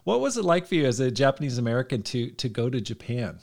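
A podcast host who asks questions and encourages the guests with steady affirmations. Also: mid-range voice, quick pace, creaky. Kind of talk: casual interview questions.

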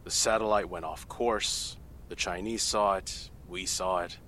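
A man's voice: deep voice, steady tone, measured pace, pushed and bright, slight background noise. A man playing a CIA analyst giving testimony in an audio drama, matter-of-fact and growing incredulous. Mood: skeptical. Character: guarded male CIA analyst under questioning.

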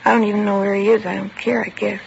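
An actress playing a troubled, bitter teenage girl in a flat, withdrawn way, in the style of 1950s radio drama. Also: mid-range voice, fast talker, gravelly, a little hiss or hum, close to an everyday voice. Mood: subdued. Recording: lo-fi vintage radio broadcast.

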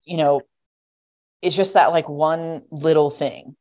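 A young adult guest on a podcast, talking casually and rambling, with lots of "like" and "you know.". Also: female voice, low voice, fairly even intonation, slow pace, darkish tone.

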